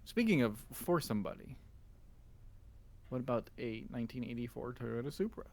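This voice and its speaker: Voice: medium pitch, moderate pace. A podcast co-host in casual chat, reading out car listings and teasing with frequent laughs. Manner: lively, teasing, laughs often.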